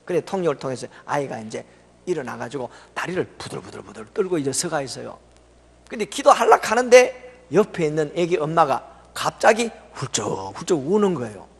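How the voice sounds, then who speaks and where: A middle-aged male revival preacher, his fairly high voice leaping up and down in pitch. He tells the story with laughter, jumping from loud cries to near-hushed asides. His voice carries a long reverb from a church sanctuary. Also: fairly quick, vocal fry, slightly rough. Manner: animated, laughing, swings from loud exclamations to hushed tones.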